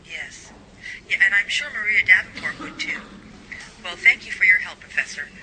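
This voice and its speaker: A man voicing a persistent, sharp female news reporter in a radio drama, with a brisk, wry manner. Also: sits high, a little hiss or hum, rough recording. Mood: wry, polite.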